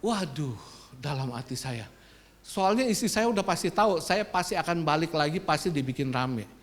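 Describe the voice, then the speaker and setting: Male pastor, high-pitched, animated sermon storyteller in church. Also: moderate pace, slight background noise. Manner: animated, swings from loud outbursts to quiet confession.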